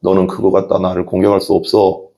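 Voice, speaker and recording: A man's voice: low voice, monotone, fast talker, mellow, voice pushed down, close to an everyday voice. A man voicing a defiant male pilgrim who rebukes the devil. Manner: defiant, declaiming.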